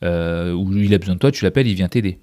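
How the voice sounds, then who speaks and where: A man's voice: low-pitched, fast talker, warm tone. A man speaking conversationally as an interview guest, telling anecdotes and giving advice, often voicing the quotes.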